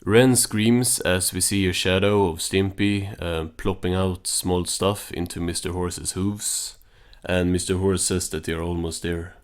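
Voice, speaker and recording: A man's voice: deep voice, steady tone, unhurried. A man giving a casual recap and commentary on a cartoon episode in a dry, understated way. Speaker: video reviewer and narrator.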